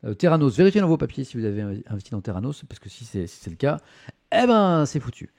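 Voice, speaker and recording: A man's voice: medium pitch, big pitch swings, fast, creaky, darkish tone. A man hosting a casual live-stream press review, reading articles aloud with chatty asides to his viewers and plenty of hesitation sounds. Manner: chatty, many fillers, reads articles aloud with asides to chat.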